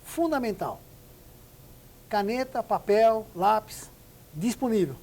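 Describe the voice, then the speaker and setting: A woman's voice: a little high, animated, slow, warm tone, rough recording. A woman explaining business etiquette in an interview, speaking emphatically and acting out examples. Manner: emphatic, acts out phone examples. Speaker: etiquette expert guest.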